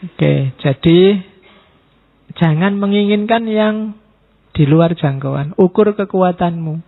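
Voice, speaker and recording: A man's voice: high-pitched, slow pace, gravelly. A man giving a casual, teasing philosophy lecture to students at a mosque. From Indonesia. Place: mosque hall. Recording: tinny phone-like sound.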